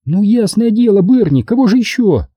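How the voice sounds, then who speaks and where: Guy doing a drunk chatty woman, high squeaky voice, husky, loud and tangled. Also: very animated, normal speed, no room sound, dull audio. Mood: tipsy, indignant. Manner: drunken rambling, counting points. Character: tipsy young woman, tangled, indignant, chatty. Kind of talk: audiobook reading.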